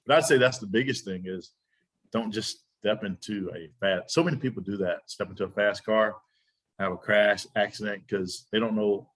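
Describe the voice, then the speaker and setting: A man's voice: on the low side, moderate pace, fairly bright tone. A man from Alabama with a Southern accent, chatting and joking as a podcast guest. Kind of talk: casual podcast chat.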